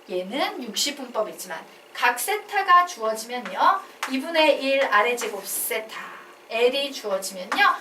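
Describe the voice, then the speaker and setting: A woman's voice: fairly high pitch, pushed and bright, slight background noise. A woman math teacher giving a classroom lecture, drilling students with call-and-response questions. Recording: echoey classroom, mic at a distance.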